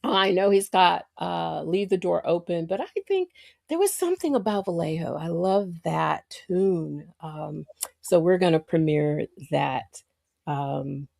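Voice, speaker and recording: A woman's voice: fairly low pitch, animated, measured pace, gravelly, a little mellow, no room sound, studio quality. A woman hosting a casual live online interview show, effusive and chatty. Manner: bubbly, effusive, laughs often. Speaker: host.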